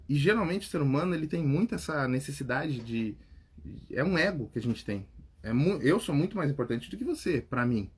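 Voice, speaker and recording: Husky Brazilian man coaching viewers. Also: fairly high pitch, a little mellow. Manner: talks straight to the viewer, tags lines with "tá?" and "né?". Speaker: public speaking coach. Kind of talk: casual live Q&A podcast answering viewer comments.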